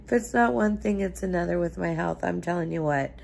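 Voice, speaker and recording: Young woman vlogging on her couch, husky and a bit low, scratchy like she's losing her voice, rambly. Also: a little fast, a little mellow. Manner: chatty, rambling, emphatic. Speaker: beauty vlogger. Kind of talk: casual makeup chat to camera. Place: living room couch indoors.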